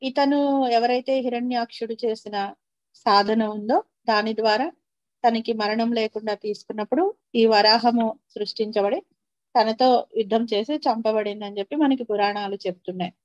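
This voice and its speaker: Lady teaching a spiritual class, kinda high voice, muffled dry recording. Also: fairly even intonation, moderate pace, darkish tone, no echo.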